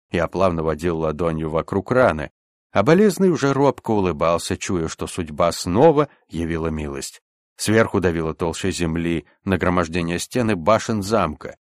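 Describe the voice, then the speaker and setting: A man narrating an audiobook in a measured, even storytelling manner. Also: sits low, no room sound, studio quality. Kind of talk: scripted narration.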